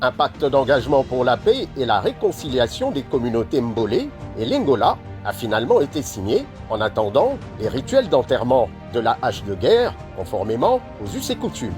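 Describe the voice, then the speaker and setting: A man's voice: mid-range voice, huge pitch swings, moderate pace, hardly any pauses. A man reading scripted news narration as a reporter. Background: music bed.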